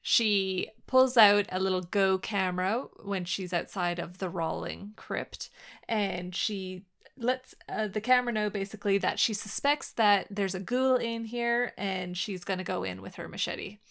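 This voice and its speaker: A woman co-hosting a casual podcast, relaxed and recapping plot in a plain, easy way. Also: mid-range voice, a little slow, vocal fry. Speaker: podcast co-host. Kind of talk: casual chat.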